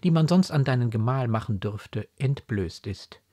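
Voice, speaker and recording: A man's voice: medium pitch, expressive, normal speed, warm tone, lightly acted. A man reading the part of a noble, remorseful mother in a classic audiobook, in a raised, emotional voice. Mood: pleading.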